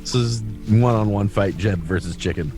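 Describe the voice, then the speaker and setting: A man's voice: lowish voice, brisk, music in the background. A man chatting casually as a player during a tabletop game.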